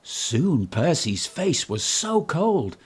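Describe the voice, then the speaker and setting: A man narrating a scripted children's story in an animated, expressive manner. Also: fairly high pitch, slow, slightly rough.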